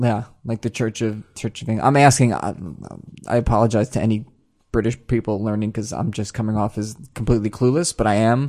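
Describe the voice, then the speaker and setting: Speaking at a very fast pace, a man has a dark, mellow tone, a medium pitch and fairly even intonation. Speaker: podcast interviewer. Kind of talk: casual interview. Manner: fast talker.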